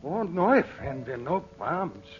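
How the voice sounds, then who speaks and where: An actor playing a servile, superstitious Arab henchman in a 1940s radio drama, speaking haltingly and fearfully. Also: on the high side, big pitch swings, dull audio, a little hiss or hum. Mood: grave, fearful. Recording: band-limited 1940s radio recording with music.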